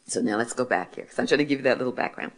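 A woman in her sixties from Philadelphia speaks to a gathered audience about her faith. Her voice sits low and deep. She tells her story warmly paced, asking questions and answering them herself. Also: very fast. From Philadelphia, United States. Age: 60s. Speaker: author and speaker. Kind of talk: faith testimony talk to an audience.

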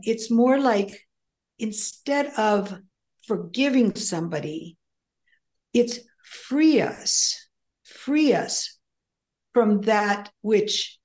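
An older woman whose first language is Greek speaks as an interview guest at a slow, unhurried pace. She rambles through her stories, often restarting sentences and filling pauses with ums. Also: medium pitch, a little mellow. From United States. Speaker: author and guest. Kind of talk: casual interview conversation.

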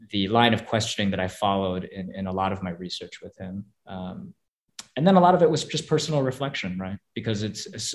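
A young man with a somewhat low voice, whose first language is Korean, talks through his work as an actor in a relaxed interview. He pauses, restarts his phrases and laughs softly as he thinks aloud. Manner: thoughtful, with frequent restarts and soft laughs. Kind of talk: reflective interview answers.

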